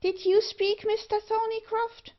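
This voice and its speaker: A woman voicing a small, brisk, cocky old male dwarf in a storybook. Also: very high-pitched, little pitch movement, voice pushed up. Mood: alarmed, resolute. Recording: dull, lo-fi audio.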